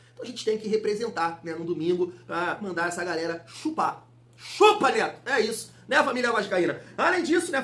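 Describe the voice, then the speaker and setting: A man hosting a casual football fan vlog, talking in an excitable, emphatic, slangy way and still getting over a cold. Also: high voice. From Rio de Janeiro, Brazil. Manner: excitable, emphatic and slangy, addresses viewers as family. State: recovering from a cold. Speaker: football fan channel host.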